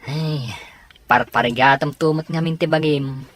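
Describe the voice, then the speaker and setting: A woman voicing an easygoing, teasing young man in an Ilocano Filipino audio drama, with a husky voice. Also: sits low, a little slow. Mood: teasing, friendly.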